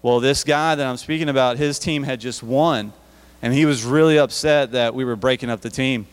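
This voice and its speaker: Give me a man preaching to teenagers in a relaxed, repetitive way, smooth voice, reverberant hall. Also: medium pitch, moderate pace. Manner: conversational, repeats words and restarts. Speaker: youth speaker. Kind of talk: youth service sermon. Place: church hall.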